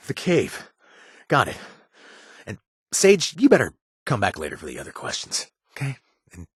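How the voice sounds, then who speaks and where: A sardonic ex-raider bartender in a game, low husky voice, swings up and down a lot, dry studio sound. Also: male voice, a bit bright, dry recording, full character voice. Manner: sardonic, self-deprecating, halting with fillers. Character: wry former raider turned bartender, young adult man. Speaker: game companion character. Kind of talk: video game voice acting. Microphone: studio mic.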